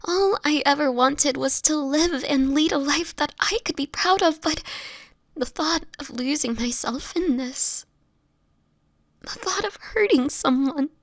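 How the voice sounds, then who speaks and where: A woman playing a sickly, gentle, anguished vampire in an intimate audio roleplay, speaking in a breathy, often whispered voice with tender, halting, formal phrasing. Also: sits high, no echo. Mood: anguished, dreading. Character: sickly homeless young female vampire, gentle, anguished, self-sacrificing.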